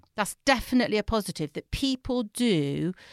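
Recorded very cleanly against a silent background, the sound is dry and close with no echo. A woman speaks at a moderate pace in a West Country accent. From Gloucester, England. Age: 50s. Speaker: charity volunteer and former school music teacher. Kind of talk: podcast interview. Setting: studio.

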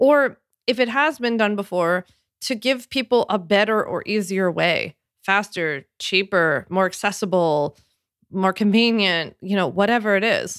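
A woman with a Philadelphia accent speaks at a fairly slow pace with lively intonation, the sound dry and close with no echo on a very clean recording with a silent background. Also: medium pitch for a woman. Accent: Philadelphia, run-together words. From US Northeast, Philadelphia. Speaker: podcast host and attorney. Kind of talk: casual solo podcast talk.

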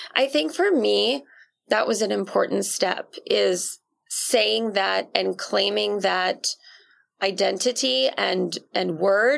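Speaking at a very slow pace, a woman keeps her loudness very even. She talks with a Californian accent. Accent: General American (Californian). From California, Bay Area. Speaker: podcast host and author in recovery. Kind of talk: personal testimony in interview.

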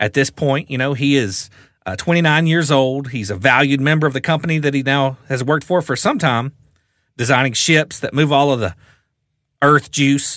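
A man talks with a fairly high pitch, ordinary pitch variation, and a moderate pace. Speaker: comedy podcast co-host. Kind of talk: comedic storytelling. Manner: jokey, irreverent.

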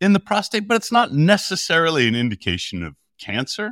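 A man speaks with vocal fry and a bright, sharp tone, his pitch swinging very widely. The sound is dry and close with no echo, on a very clean recording with a silent background. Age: 50s. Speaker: cold therapy expert, ice bath company CEO. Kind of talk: interview conversation.

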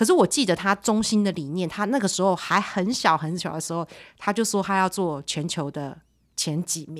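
With an unremarkable speaking voice, a woman at a medium pitch talks at a moderate pace with lively intonation. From Taipei, Taiwan. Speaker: financial news reporter co-hosting podcast. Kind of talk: casual chat.

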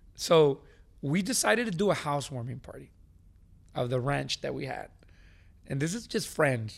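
On a very clean recording with a silent background, a man with a fairly high pitch and vocal fry speaks at a fairly slow pace, leaving long, frequent pauses. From Southern California, Venice Beach, son of Mexican immigrants. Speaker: record label founder. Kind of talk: interview, casual bilingual chat.

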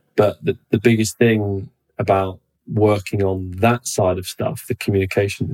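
A man talks at a moderate pace in a fairly low pitch. His voice is somewhat breathy, with monotone, flat intonation. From southern England. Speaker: tennis coach. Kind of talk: casual interview.

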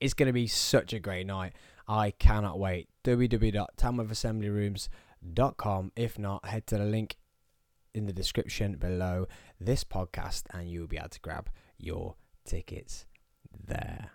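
In a very clean recording with a silent background, a man with a fairly low pitch talks at a fairly slow pace, with long, frequent pauses and big swings in loudness. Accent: Birmingham. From Birmingham, English Midlands. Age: young. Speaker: podcast host. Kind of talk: casual chat. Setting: studio. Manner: animated.

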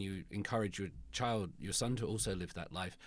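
This man has an English accent and speaks at a moderate pace. The recording is very clean, with a silent background. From England. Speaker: podcast host. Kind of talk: interview conversation.

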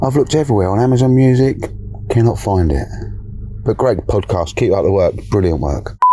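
A man at a fairly quick pace, his loudness very even, with noticeable background noise. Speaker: podcast co-host. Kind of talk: casual interview.

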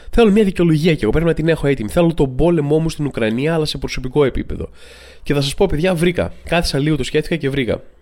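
Talking very fast, a man uses a fairly high pitch. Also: ordinary pitch variation. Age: 30s. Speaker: podcast host and stand-up comedian. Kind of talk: casual comedic monologue. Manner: animated.

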